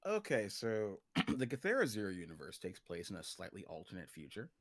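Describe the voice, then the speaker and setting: A man with a fairly low voice talks casually as a guest on a livestream. He explains a story world he created in an informal, joking manner. The sound is dry, with hardly any room on it. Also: wildly swooping pitch, fairly quick, dry recording.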